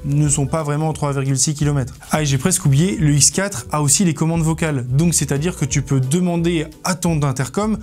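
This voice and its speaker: Male presenter for casual gear review: fairly high-pitched, chatty and informal, joking at his own expense, soft music underneath. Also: a little fast, few pauses. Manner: informal, playful, self-mocking. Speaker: presenter of a motorcycle gear video. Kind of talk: casual product review to camera.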